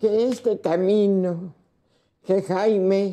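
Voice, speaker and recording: Her tone is dark and mellow as this woman talks at a very slow pace with fairly even intonation. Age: 80s+. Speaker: old friend of the poet. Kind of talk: documentary interview.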